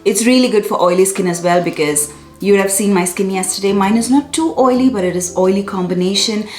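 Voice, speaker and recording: A woman's voice: mid-range voice, darkish tone. Woman, 30s, chatty beauty vlogger, effusive and self-correcting, roomy echo with faint music under her. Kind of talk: casual product review to camera. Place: small bright room indoors.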